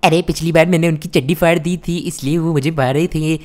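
A woman's voice: low voice, steady tone, a little fast, a little mellow, close to an everyday voice. A woman voicing a mischievous, teasing little cartoon boy in a gameplay role-play, whiny and fond of filler words. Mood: pleading. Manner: whiny, teasing, says yaar a lot.

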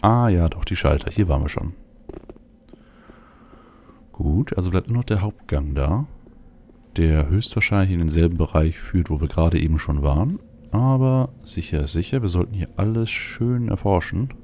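A man's voice: deep voice, moderate pace, warm tone, slight background noise. A man giving casual video game commentary as a let's play host, thinking aloud as he goes. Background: faint game ambience.

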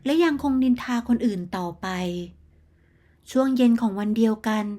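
A woman's voice: fairly high pitch, moderate pace, dark tone. Woman telling a bedtime story. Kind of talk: scripted bedtime story narration.

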